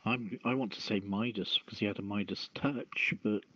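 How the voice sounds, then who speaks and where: Man, casual podcast host, unhurried, lower-pitched, dull lo-fi sound. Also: fairly even intonation, sharp tone, no echo. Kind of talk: casual chat. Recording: dull, lo-fi online audio.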